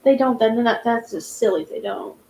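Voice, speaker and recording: A woman's voice: a little high, fairly quick, gravelly, a little mellow, slight background noise. A woman hosting a casual chat about books, rambling with many fillers and restarts. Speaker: host. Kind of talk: casual video-call chat. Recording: roomy echo.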